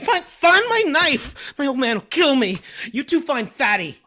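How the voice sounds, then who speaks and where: A woman playing a cruel, violent teenage boy bully in a script read, loud, taunting and aggressive. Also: sits high, sing-song, a little slow, exaggerated voice. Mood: frantic rage. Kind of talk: dramatic script table read.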